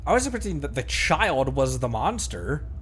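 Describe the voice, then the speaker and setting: A man's voice: medium pitch, very animated, normal speed, a bit bright, a little hiss or hum. A man giving casual live commentary as he streams a video game. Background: game music.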